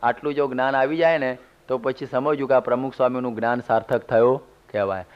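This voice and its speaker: Male monk, sermon delivery, folksy storyteller, smooth clear tone, muffled lo-fi recording. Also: mid-range voice, fairly even intonation, fast. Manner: storytelling, homely humorous asides. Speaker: monk giving a religious discourse. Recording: dull lo-fi CD recording.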